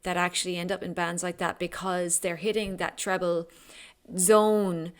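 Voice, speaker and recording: Female podcast host; smooth, low-ish voice, thoughtful interviewer who explains things. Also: little pitch movement, moderate pace. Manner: thoughtful, explanatory, with brief laughs. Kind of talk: interviewing a guest.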